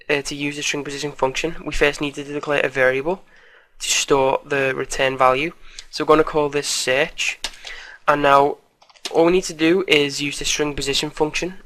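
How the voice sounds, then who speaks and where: A young man with a croaky voice from a cold, teaching programming in a casual, chatty way at a desk mic. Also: fairly high pitch, fairly bright tone, slight background noise. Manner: casual, chatty, with fillers and asides. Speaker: programming tutor. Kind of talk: screen-recorded coding tutorial.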